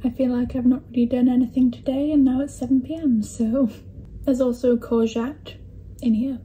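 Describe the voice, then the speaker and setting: A young woman talks casually to the camera about her day as a student. Her voice is a little high but soft and mellow, and her chat is self-deprecating, broken up by small laughs. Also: steady tone, moderate pace, a little hiss or hum, poor audio. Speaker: university student vlogger. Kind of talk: casual vlog narration.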